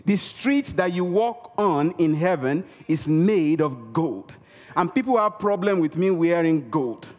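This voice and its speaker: A man preaching with a slightly high voice, hammering home key words with repetition. He calls on the congregation to answer him. His voice rings with a long reverb from a large church hall. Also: animated, measured pace, darkish tone, soft background music. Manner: emphatic, repeats key words for effect; calls for audience response. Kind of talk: sermon.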